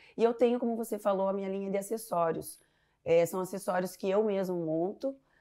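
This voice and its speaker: Her tone is dark and mellow, with ordinary pitch variation. This woman keeps a moderate pace over a quiet background. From Curitiba, Brazil; Brazil. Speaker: fashion entrepreneur; guest. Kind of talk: interview. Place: studio.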